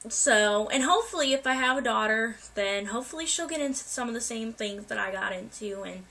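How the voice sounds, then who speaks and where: A woman's voice: on the high side, lively intonation, fairly quick, bright, forceful tone, rough recording. A young woman vlogger getting over a cold, chatting casually to her viewers with many ums and restarts. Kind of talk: casual life update to viewers.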